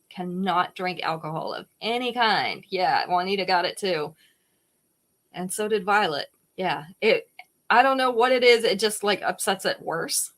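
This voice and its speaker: A woman's voice: mid-range voice, a bit bright. A woman hosting a live-stream jewelry sale, chatting casually and greeting viewers by name as she shows each piece.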